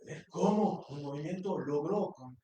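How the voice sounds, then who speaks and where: A man's voice: fairly high pitch, animated, measured pace, dark tone, highs cut off. A man from Mexico speaking at a university panel, hesitant and full of fillers. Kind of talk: public talk. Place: university lecture hall. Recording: echoey lecture hall.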